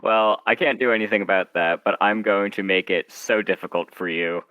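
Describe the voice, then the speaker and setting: A man's voice: fairly low pitch, normal speed, bright, forceful tone, smooth, no room sound, rough recording. A man interviewed as a writer, chatting casually and explaining things in a wry, self-interrupting way.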